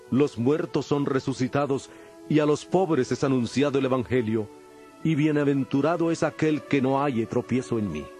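A man playing Jesus as a solemn, measured teacher preaching in a dramatized audio Bible. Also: mid-range voice, warm tone, close to an everyday voice.

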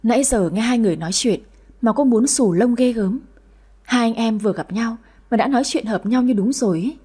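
Mellow-voiced woman narrating a story. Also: a little high, fairly quick, husky. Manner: reads every character herself, shifting tone for dialogue.

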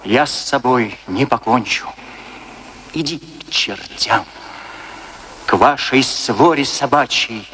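An actor playing a tormented, volatile young poet in a radio drama, declaiming verse with bitter and tender anguish. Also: male voice, mid-range voice, slow, pauses often, pushed and bright, slight background noise. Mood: scornful, anguished. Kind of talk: theatrical poetry recitation in radio drama.

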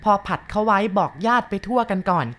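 A blunt, rough-spoken old village grandmother in a storybook reading, put on by a woman. The voice sits well above the reader's own low tone and comes out louder and sharper. She talks plainly and without softness. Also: fast talker, close to an everyday voice. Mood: hurried.

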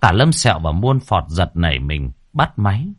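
Brief: deep husky male narrator, horror tale, animated delivery, dry. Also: moderate pace, dry recording. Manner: dramatic, vivid storytelling. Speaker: storyteller.

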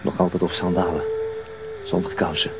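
Man acting brooding detective thinking aloud, deep voice, terse, very loud background noise, radio drama. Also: little pitch movement, normal speed, natural voice. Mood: brooding, intent. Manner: brooding, terse inner monologue. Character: brooding male detective fixated on a murdered woman. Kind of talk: Dutch radio drama monologue. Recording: very noisy radio drama recording.

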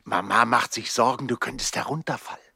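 A man's voice: medium pitch, fairly quick, pushed and bright, slightly rough, dry recording, studio quality, full character voice. An actor playing an eager, anxious young boy, earnest and pleading, in a 1960s radio play. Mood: earnest, concerned.

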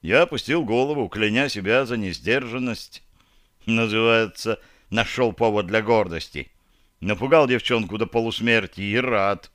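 A man reading a first-person fantasy audiobook in a measured, expressive way, voicing the dialogue in character. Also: on the low side, no echo, clean studio sound. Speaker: audiobook narrator.

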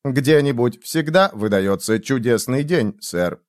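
Мужчина, читающий аудиокнигу, озвучивает услужливого робота-бармена холодным, механическим, однообразным голосом. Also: male voice, mid-range voice, lively intonation, unhurried, no room sound, studio quality, close to an everyday voice. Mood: beaming. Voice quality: cold, mechanical, repetitive. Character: cold, obliging male robot bartender. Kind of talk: audiobook reading.

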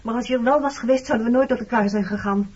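A woman acting in a radio play as a hurt, reproachful married woman facing her former lover, speaking in a measured, intimate, accusing way with a slightly husky voice. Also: a little high, a little mellow. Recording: dull lo-fi old radio recording.

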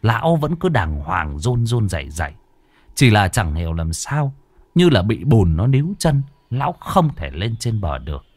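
A man narrating a folk story in a lively, earthy way. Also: on the low side, moderate pace, breathy edge, no room sound.

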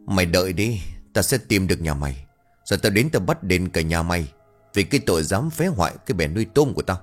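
A man's voice: sits low, very animated, fast talker, faint music behind. A man voicing a cold, harsh older shrimp-farm owner who barks threats and insults in a storybook tale. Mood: threatening. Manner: gruff, bullying, barking threats.

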